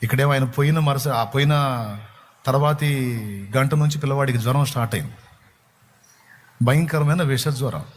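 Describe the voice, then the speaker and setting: A male pastor telling a story in a dramatic, repetitive sermon, building up to loud proclamations. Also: medium pitch, normal speed, pauses often, slight background noise.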